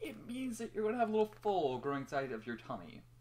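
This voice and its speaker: Doing a put-on character voice, a man speaks at a very fast pace in a fairly high pitch with very wide pitch swings. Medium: read story. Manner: hesitant, nervous.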